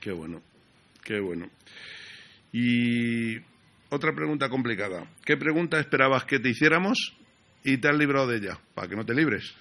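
A man's voice: mid-range voice, expressive, normal speed, long pauses, bright, forceful tone. A man co-hosting a radio show, chatting in a friendly, casual way. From Spain. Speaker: radio co-host.

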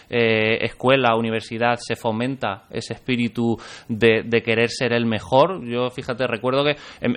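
A young man from Extremadura in Spain, speaking as an interview guest in a thoughtful manner with frequent small restarts. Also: mid-range voice. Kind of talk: interview conversation.

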